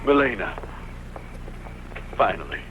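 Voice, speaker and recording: A man's voice: fairly low pitch, sing-song, slow, dull audio, noisy background. A man dubbing a bold, lovestruck young gypsy in a costume film, with a teasing, theatrical manner. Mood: ardent. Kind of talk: dubbed costume-film acting.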